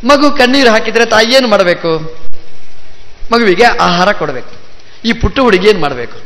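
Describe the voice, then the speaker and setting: A monk delivers a devotional discourse in a fairly high voice, telling a sacred story. He poses rhetorical questions and plays on words as he goes. The live recording carries a long, hall-like reverb. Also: lively intonation, normal speed, a bit bright. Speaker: monk giving a religious discourse.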